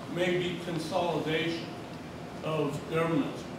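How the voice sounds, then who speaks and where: Over loud background noise, a man speaks at a very slow pace. Room echo is audible. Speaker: county commission candidate. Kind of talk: candidate forum answers. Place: hall.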